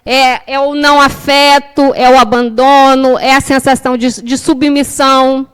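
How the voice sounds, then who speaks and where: A woman's voice: high-pitched, little pitch movement, unhurried, fairly bright tone, clear, resonant tone. A woman with a Brazilian accent teaching a class, telling a personal story in a conversational way with frequent tag questions. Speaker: spiritist course teacher. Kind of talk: lecture with personal anecdote.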